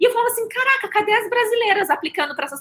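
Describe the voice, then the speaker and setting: A woman speaks. Her voice is raised and projected. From Brazil, interior of São Paulo state. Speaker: tech professional, community co-founder. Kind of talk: panel interview.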